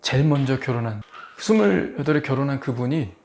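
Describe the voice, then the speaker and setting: A man in his forties preaching an expository sermon as pastor, lively and full of rhetorical questions to the congregation. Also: mid-range voice, fairly quick, creaky, a little hiss or hum. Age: 40s.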